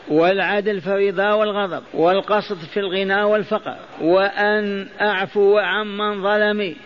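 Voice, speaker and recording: A man with a high voice gives a Quran lesson, going over phrases again and asking his listeners questions. He chants the verses he quotes, and the recording sounds dull and lo-fi. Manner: repeats phrases, stops to quiz listeners. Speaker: Quran teacher.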